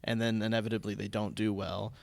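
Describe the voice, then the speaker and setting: A man's voice: lowish voice, little pitch movement, quick pace, creaky, dry recording. An American man chatting casually as a podcast host, rambling a little and restarting his sentences as he goes. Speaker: podcast host and theatre producer.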